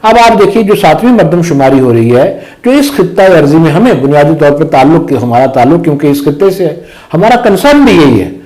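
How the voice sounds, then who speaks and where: Pahari-speaking male commentator, pitched a bit high, emphatic and argumentative. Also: very animated, fairly quick, darkish tone, poor audio. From Azad Kashmir. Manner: emphatic, rhetorical questions. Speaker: guest commentator. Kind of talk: political discussion.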